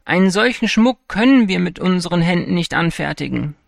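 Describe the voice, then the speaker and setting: A man's voice: sits high, lively intonation, brisk, creaky, no room sound, clean studio sound, voice pushed up. A man voicing a group of frightened jewelers in a fairy tale, pleading for their lives. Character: terrified poor jewelers begging for mercy.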